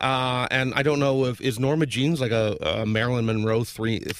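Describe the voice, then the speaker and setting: A man's fairly high-pitched, plain, everyday voice at a moderate pace, on a very clean recording with a silent background. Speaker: comedy podcast co-host. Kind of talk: casual comedic chat.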